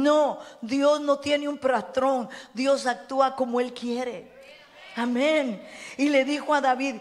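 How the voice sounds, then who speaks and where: A woman pastor preaching a sermon, putting questions to the congregation. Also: fairly high pitch. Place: church hall. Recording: long reverb of a church hall.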